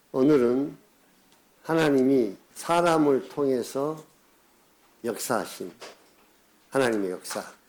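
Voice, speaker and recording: Speech comes at a very slow pace with long, frequent pauses and ordinary pitch variation. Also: man, medium pitch for a man. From Jindo, South Jeolla, Korea. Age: 70s. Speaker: lay preacher. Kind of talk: sermon. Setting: church. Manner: halting.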